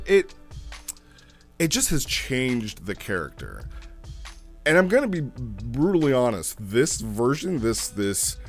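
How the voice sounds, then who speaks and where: A man giving a casual, off-the-cuff review as a host, thinking aloud and repeating phrases for emphasis. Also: fairly low pitch. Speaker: host reviewing a text role-play.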